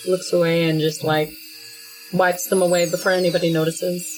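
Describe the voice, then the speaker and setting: A woman's voice: on the low side, flat delivery, normal speed, low-quality recording. A woman playing a tabletop game, narrating her character in the third person in casual, piecemeal phrases. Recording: music playing under the voice.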